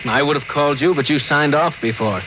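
A man's voice: a little high, brisk, natural voice. A man playing an earnest young officer. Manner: earnest, deferential. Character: earnest, soft-hearted male spaceship officer. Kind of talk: 1950s radio drama acting. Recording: hissy old radio broadcast.

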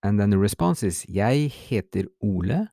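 Male podcast host and language teacher, low-pitched with some fry; relaxed and unscripted, dry close-mic sound. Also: dry recording. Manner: relaxed, unscripted, reads slow example phrases then translates. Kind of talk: casual spoken language lesson.

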